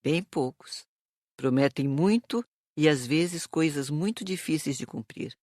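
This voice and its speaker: A woman with a Brazilian accent playing a calm, didactic spirit teacher in an audiobook drama. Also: low-pitched, dry recording, clean studio sound. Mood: instructive, earnest. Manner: didactic, measured.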